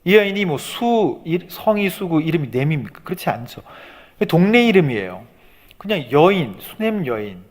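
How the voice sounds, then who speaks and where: A male pastor preaches a sermon in an animated, rhetorical style. His fairly high voice rises and falls constantly, and a long reverb from the church hall trails behind his words. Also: moderate pace. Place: church sanctuary.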